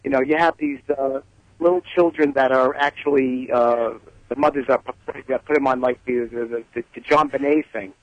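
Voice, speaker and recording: A man with a heavy Brooklyn accent giving his opinions as a radio caller, speaking in halting, hesitant phrases over the phone. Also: mid-range voice, steady tone, dry recording. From Brooklyn, New York. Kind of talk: opinionated radio call-in talk. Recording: radio call over telephone line.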